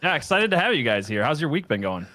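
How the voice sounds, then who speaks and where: A man's voice: fairly high pitch, big pitch swings, fast talker, sharp tone. A man co-hosting a casual podcast panel over a video call, rambling and self-deprecating. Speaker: podcast co-host. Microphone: remote video call.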